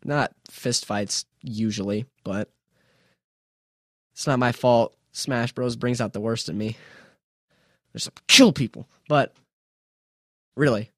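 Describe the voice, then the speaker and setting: A young man talks alone on his podcast in a loose, chatty way, circling back and restarting his sentences. He pokes fun at himself. His voice sits at an ordinary pitch and is recorded dry and close, with no room sound. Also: slow, long pauses, dry recording. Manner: chatty, self-mocking, rambling with restarts. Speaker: podcast host. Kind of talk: casual solo podcast talk.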